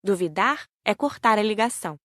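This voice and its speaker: A woman narrating a scripted audiobook story in the first person, with measured, careful enunciation. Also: mid-range voice, expressive, fairly bright tone, no echo, clean studio sound.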